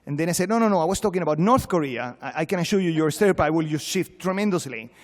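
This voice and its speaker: Male Venezuelan professor, Spanish-accented English, slightly high pitch, emphatic and wry conference delivery, reverberant hall. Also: expressive, fast. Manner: emphatic, repeats words, rhetorical questions. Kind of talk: informal conference speech, humorous and exhortatory. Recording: echoey hall, long reverb.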